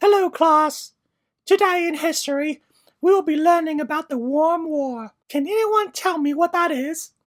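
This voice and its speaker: A squeaky, high-pitched, put-on character voice. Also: moderate pace. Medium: machinima. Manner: clear, measured, lecturing.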